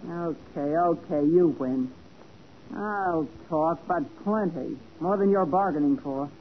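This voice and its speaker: A woman's voice: on the low side, takes it slowly. An actress playing a tough, brassy American woman crook, defiant and slangy, in a 1940s radio crime drama. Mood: brazen. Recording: muffled noisy 1940s radio recording.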